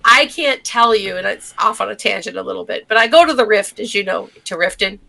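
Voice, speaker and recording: A woman's voice: medium pitch, lively intonation, a little fast, vocal fry, pushed and bright. A woman co-hosting a casual chat, blunt and exasperated, mimicking the people she mocks.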